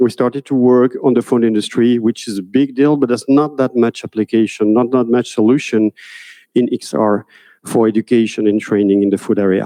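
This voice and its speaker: A man with a French accent, a medium pitch and a dark, mellow tone, fairly even intonation at a fairly quick pace, dry, close sound with no echo and a quiet background. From France. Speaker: tech company founder. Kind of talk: conference talk.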